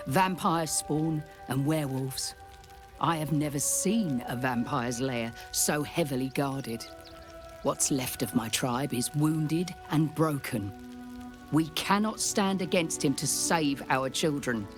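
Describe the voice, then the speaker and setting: A grave, honourable tribal warrior. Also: male voice, fairly high pitch, over music. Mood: grave, grieving. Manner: solemn, formal, measured. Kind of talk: dramatic fantasy video game acting.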